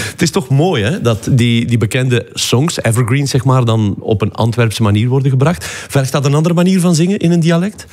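A man with a Flemish accent hosting a studio interview, chatty and quick to laugh, asking leading questions. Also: mid-range voice, lively intonation, a little mellow. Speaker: talk show host.

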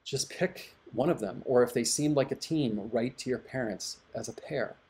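A middle-aged man, a hypnotherapist, giving calm, reflective advice to viewers. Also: medium pitch, moderate pace.

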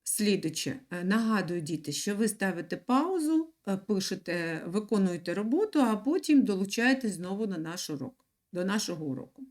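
A woman teaching young children in an online lesson, speaking slowly and clearly and repeating words for them to write down. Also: mid-range voice, lively intonation, darkish tone. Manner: patient, slow and clear, repeats words for dictation. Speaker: primary school teacher.

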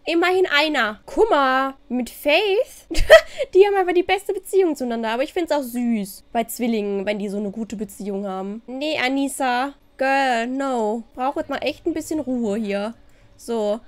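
A woman talks through her game in a loose, chatty commentary, sounding exasperated and mixing in English words. Her voice sits a little higher than most, recorded close on a desk microphone. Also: a little slow. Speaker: gaming YouTuber. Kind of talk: casual let's-play commentary.

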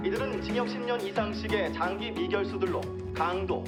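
A male actor plays a television news reporter within a drama. He delivers a formal, grave scripted report in a high male voice, with loud music running underneath. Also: a little fast, natural voice.

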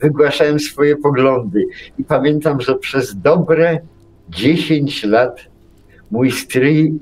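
A middle-aged man talks casually on a radio show. His voice sits at an average pitch. He has a wry, storytelling manner. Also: slow pace, darkish tone, slightly rough, rough recording. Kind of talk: casual chat.

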